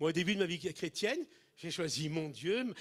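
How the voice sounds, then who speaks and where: A man's animated tone, with lively intonation at a moderate pace. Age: 60s. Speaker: preacher. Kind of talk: sermon.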